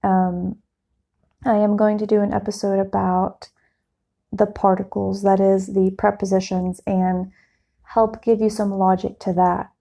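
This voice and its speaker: Woman, podcast language teacher, patient teacher voice, dark mellow tone, creaky, reassuring, plain informal explanations. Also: mid-range voice, level tone, measured pace. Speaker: podcast host and English teacher. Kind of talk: explanatory language lesson, unscripted.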